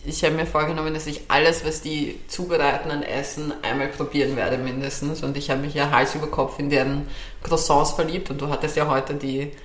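Brief: young female podcast co-host, low-pitched, loose and chatty, roomy echo. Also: little pitch movement, a little fast. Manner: chatty, laughing, swearing casually. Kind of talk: casual chat.

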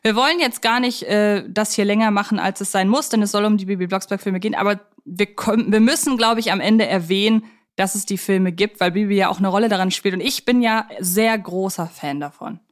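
A woman's voice: mid-range voice, fairly quick. A woman co-hosting a podcast, discussing films in a casual, colloquial way with a fan's enthusiasm. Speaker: podcast co-host.

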